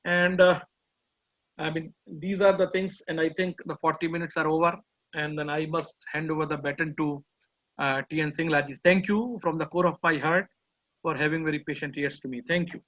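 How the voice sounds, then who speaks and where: A high-pitched man with a North Indian accent delivers an explanatory lecture as a lawyer. The sound is dull and lo-fi, as on an online call. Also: steady tone, moderate pace, fairly bright tone. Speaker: tax lawyer giving a lecture.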